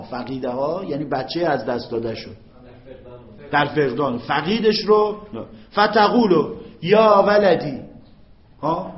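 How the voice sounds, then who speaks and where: A man teaching Arabic grammar in a classroom lecture, stretching out his example phrases in a slow, drawn-out chant and checking often whether his students follow. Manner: checks understanding with quick questions to students. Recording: echoey, dull low-fi classroom recording.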